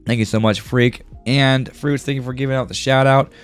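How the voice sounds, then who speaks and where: A man's voice: mid-range voice, fairly even intonation, a little fast, clear, resonant tone. A man chatting casually on an art livestream, friendly and slangy with viewers, his voice affected by a sore throat and congestion. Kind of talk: casual livestream chat while drawing. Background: music.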